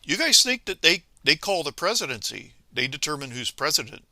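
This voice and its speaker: A man from Venezuela speaking a political monologue to viewers, halting with many pauses and restarts, then scolding emphatically. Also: on the high side, very animated, pushed and bright, dry recording, studio quality. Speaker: commentator.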